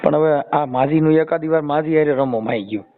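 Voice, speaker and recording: Tinny phone audio, high-voiced man, Saurashtra Gujarati accent, colloquial, bantering, repeats himself. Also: brisk, slight background noise. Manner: teasing, colloquial, repeats and rephrases answers. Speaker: host mediating a family dispute by phone. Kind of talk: casual phone conversation, questioning and bantering.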